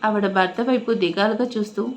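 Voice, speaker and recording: A woman storyteller giving a steady, scripted narration of an audio story. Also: medium pitch, brisk, slight background noise.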